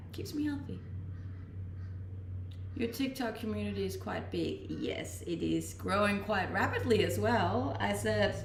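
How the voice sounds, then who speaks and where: A young Danish native speaker with a lowish, gravelly voice reads out viewers' questions on a live stream and then answers them at ease. The background is noisy, and the mic sits far away in a roomy home space.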